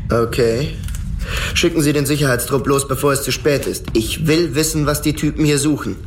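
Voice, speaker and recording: An actor performs a cold, ruthless commander in a sci-fi radio play. He gives orders in a medium-pitched voice over noticeable ambience. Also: moderate pace, slight background noise, close to an everyday voice. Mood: cold, commanding. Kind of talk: German audio drama acting.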